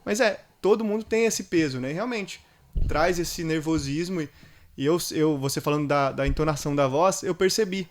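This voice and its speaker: A man with a Brazilian Portuguese accent hosting a podcast, chatting casually and sharing anecdotes. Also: a little high. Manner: quick, chatty, shares anecdotes. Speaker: podcast host.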